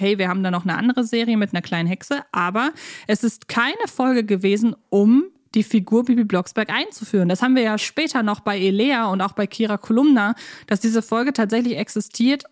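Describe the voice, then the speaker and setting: A woman's voice: medium pitch, dry recording, studio quality. A woman talking casually as the host of a fan podcast.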